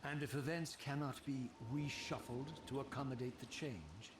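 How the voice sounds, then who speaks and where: An actor playing a proud, defiant undead wraith in a video game, with an eloquent, sardonic, theatrical delivery. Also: male voice, medium pitch, normal speed, roomy sound, recorded from a distance, noisy background, natural voice. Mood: sardonic, questioning. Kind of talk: dramatic video game voice acting.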